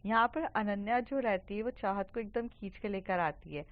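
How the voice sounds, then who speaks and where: A woman's voice: medium pitch, moderate pace, no echo, phone-quality sound. A young woman telling a school love story in a plain, conversational way. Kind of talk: casual story narration.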